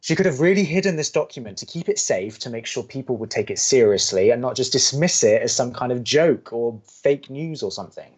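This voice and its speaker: A man's voice: mid-range voice, lively intonation, brisk, hardly any pauses, a little mellow, breathy edge. A young man acting a dry-witted, sceptical college radio co-host who argues with reason in a scripted romantic comedy audio drama. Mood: reasoning, exasperated. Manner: wry, sardonic, reasoning.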